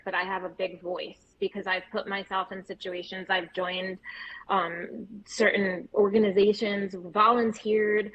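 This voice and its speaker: A woman guest on a live panel, speaking emphatically and repeating her key points. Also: mid-range voice. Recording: lo-fi remote call with faint noise.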